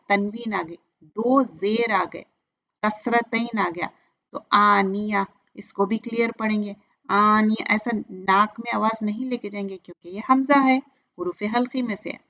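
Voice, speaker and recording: A woman teaching recitation rules, patiently repeating each example slowly and clearly. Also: medium pitch, fairly bright tone, dull audio. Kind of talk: step-by-step tajweed lesson.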